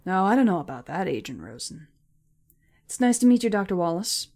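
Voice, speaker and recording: A woman playing a menacing spy agency boss in an audio drama, coolly threatening with taunting politeness and a gravelly, husky voice. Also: fairly low pitch, big pitch swings, very noisy. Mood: falsely polite, threatening. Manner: smooth taunting politeness, deliberate.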